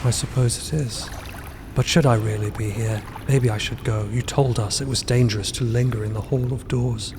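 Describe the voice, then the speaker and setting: An actor playing a hesitant, questioning grandchild adventurer in an audio drama, speaking plainly and earnestly. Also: male voice, medium pitch, steady tone, moderate pace, noisy background, natural voice.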